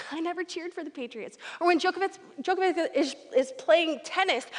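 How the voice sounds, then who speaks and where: A woman with an American accent speaks at a fairly quick pace in an extremely high pitch with lively intonation. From US Midwest, Metro Detroit, Michigan. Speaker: pastor. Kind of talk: sermon.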